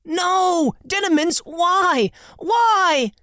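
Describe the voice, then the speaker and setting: A man voicing an excitable, proud young factory owner with a high, theatrical voice. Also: moderate pace, creaky, no room sound, clean studio sound, heavily acted. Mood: distraught. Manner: high-pitched, eager and theatrical.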